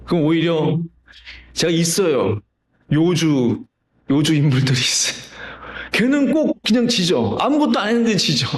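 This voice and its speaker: Male pastor, sermon, conversational and questioning, slightly raised pitch, reverberant sanctuary. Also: big pitch swings, normal speed. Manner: conversational storytelling with rhetorical questions. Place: church sanctuary. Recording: roomy church reverb.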